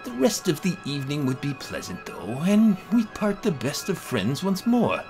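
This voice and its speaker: Man, amateur horror narrator, theatrical, very animated pitch, emphatic, music behind. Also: normal speed. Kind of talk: dramatic reading of horror comic. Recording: voice over background music.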